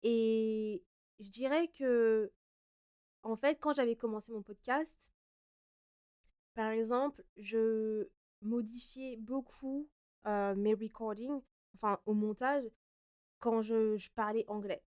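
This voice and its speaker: A young woman from France hosting her own podcast, answering listener questions in a relaxed, chatty way with frequent fillers and self-corrections. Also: a little high, slow pace, long pauses, clear, resonant tone. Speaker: podcast host. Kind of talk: casual solo Q&A podcast.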